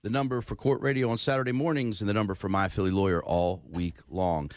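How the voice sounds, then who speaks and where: A man hosting a call-in legal radio show from a studio, with a brisk, announcer-like delivery. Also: on the low side, fairly even intonation, dry recording.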